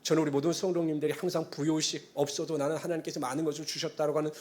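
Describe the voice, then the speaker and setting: A man with a rather high voice preaches a Sunday sermon as pastor. He moves between earnest, formal blessing phrases and relaxed, conversational asides to the congregation. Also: racing. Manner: conversational asides and acted-out quotes.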